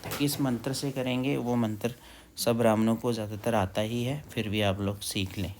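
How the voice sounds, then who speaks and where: A man teaching wedding mantras, reciting slowly and breaking words into syllables for the listener to repeat. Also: medium pitch, steady tone, darkish tone, a little hiss or hum. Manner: slow, careful recitation with syllable-by-syllable drilling. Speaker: Sanskrit teacher.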